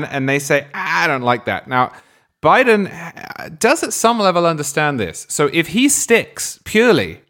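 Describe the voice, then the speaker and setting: Measured man making a political argument. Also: medium pitch, a bit bright. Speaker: podcast panelist. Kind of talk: political discussion.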